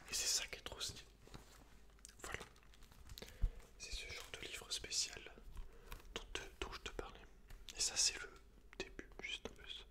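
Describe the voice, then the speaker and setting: A man whispering breathily as an ASMR host, reading aloud and chatting informally to the listener. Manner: informal, addresses the listener directly as a friend.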